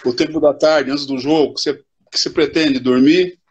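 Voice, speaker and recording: An older man, a futsal coach, talking in an unhurried, reflective way as a guest in a casual live interview over a video call. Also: fairly high pitch, fairly even intonation, husky, lo-fi sound.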